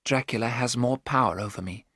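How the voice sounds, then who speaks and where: A man reading aloud, voicing a young woman under a vampire's spell who speaks in a grave, hushed way. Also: medium pitch, a little fast, slightly rough, no room sound, studio quality.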